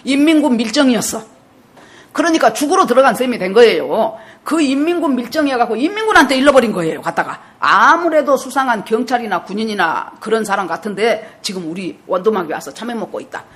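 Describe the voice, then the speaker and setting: A woman's voice: on the high side, animated, fast talker. A woman pastor in her sixties with a Jeolla dialect, telling a story in a sermon and putting questions to her congregation. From South Jeolla, Korea. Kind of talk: sermon with personal testimony.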